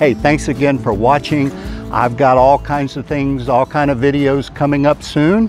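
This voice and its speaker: A man talks at a moderate pace over faint music in the background, with a dry sound and no echo. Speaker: travel video host. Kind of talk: casual vlog chat. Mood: friendly, upbeat. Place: street.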